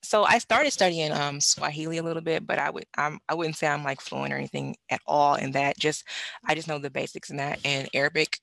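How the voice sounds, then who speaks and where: Young woman, casual guest chat; bright, slightly gravelly, animated with fillers and laughter, dry close sound. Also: low voice, fairly quick, no echo. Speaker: guest language learner. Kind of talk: casual conversation.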